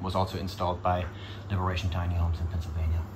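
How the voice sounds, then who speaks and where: There is noticeable noise in the background. The talking goes at a fairly quick pace. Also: man. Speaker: seller or builder showing house. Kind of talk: casual tour narration. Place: home room. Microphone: phone near.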